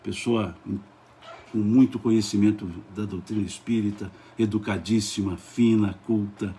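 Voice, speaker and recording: A man with a Brazilian Portuguese accent leading a Spiritist study lesson, hoarse since vocal cord surgery, moving between quiet asides and raised, enthusiastic reading of the text. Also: fairly low pitch, fairly even intonation, normal speed, slight background noise.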